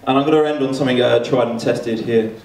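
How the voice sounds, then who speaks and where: Deadpan Essex comedian in a roomy hall. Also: male voice, medium pitch, quick pace, creaky. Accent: Essex English. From Essex, England. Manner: deadpan, wry storytelling with hesitant fillers. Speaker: stand-up comedian. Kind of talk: stand-up comedy routine. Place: student comedy event hall with audience. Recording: roomy, distant amateur recording with noise.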